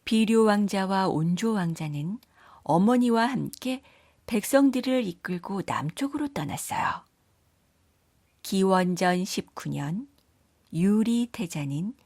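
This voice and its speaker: A woman reading scripted children's story narration in a measured, careful storytelling manner. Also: medium pitch, darkish tone, no room sound, studio quality.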